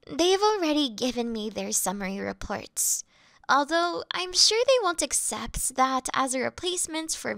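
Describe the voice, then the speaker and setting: A woman voicing a flirty yandere female demon familiar who speaks to her mistress in a soft, adoring, sweetly fanatical way. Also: sits high, no echo, heavily acted. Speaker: voice actress in audio roleplay. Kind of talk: scripted audio roleplay.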